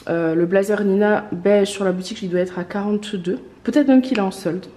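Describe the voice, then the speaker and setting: A woman with a congested, stuffed-up voice from a lingering cough, talking chattily to her viewers about outfits she tries on. Her pitch sits in an ordinary middle range, and she speaks with plenty of fillers and gushing praise. The sound carries a noticeable room echo. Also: fairly quick, dark tone. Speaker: online clothing shop owner. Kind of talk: casual try-on haul vlog. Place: indoors, in front of a mirror.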